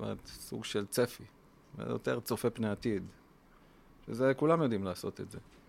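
Pausing long and often, a man with a fairly low, vocal-fry voice uses lively intonation and big swings in loudness. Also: moderate pace. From Israel, Rishon LeZion. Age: 50s. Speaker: emotions therapist and podcast co-host. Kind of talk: casual conversation. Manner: halting.

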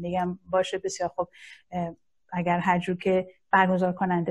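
A somewhat breathy woman at a moderate pace against a quiet background. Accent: Azerbaijani. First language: Azerbaijani Turkish (speaking Persian). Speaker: language commentator. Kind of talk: talk to camera.

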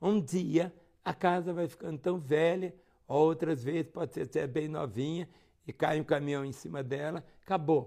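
Spoken at a fairly slow pace, this voice has a dark, mellow tone and a Minas Gerais accent. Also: man. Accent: mineiro Brazilian Portuguese. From Brazil, Minas Gerais (Belo Horizonte). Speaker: pastor. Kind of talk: sermon.

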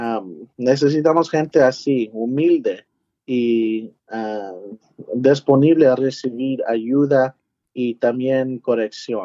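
Speaking at a very slow pace, a man uses a medium pitch. His pitch variation is ordinary. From Texas, San Antonio. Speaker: bishop. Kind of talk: interview. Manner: halting.

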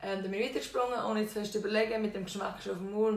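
Over noticeable background noise and audible room echo, a woman speaks at a very fast pace in a monotone, flat intonation. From Switzerland, Engadin (Graubünden). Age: 20s. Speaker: food blogger and cookbook author. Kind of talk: interview. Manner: halting, many fillers.

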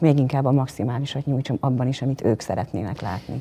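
A woman speaks at a very deep, low pitch with a dark, mellow tone. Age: 40s. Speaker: bodybuilder and actress. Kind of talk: interview.

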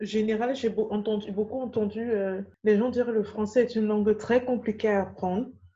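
A woman speaks at a moderate pace in a fairly high, somewhat breathy voice. Her tone is dark and mellow, and her intonation fairly even. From Cameroon. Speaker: podcast host. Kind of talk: interview.

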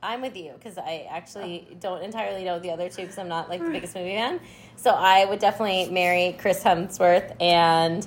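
A woman with a normal speaking voice and medium pitch talks at a fairly quick pace. Her intonation stays fairly even while her loudness swings widely. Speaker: podcast host. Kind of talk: casual chat. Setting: live small audience.

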